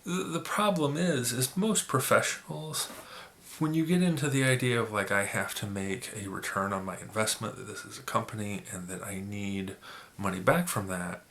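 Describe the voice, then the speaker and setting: Raspy sick guy rambling in a vlog, lowish fry-heavy voice, faint room hum. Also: normal speed, fairly bright tone. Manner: rambling, with many restarts and fillers. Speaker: photography YouTuber. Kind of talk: casual opinion vlog.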